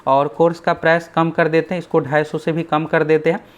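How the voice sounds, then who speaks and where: A young man with a slightly high voice briefs exam candidates as their coaching teacher. He talks straight to the students, keeps telling them to look at each point, and pushes his course. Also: level tone, fairly quick. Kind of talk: explainer video on exam updates.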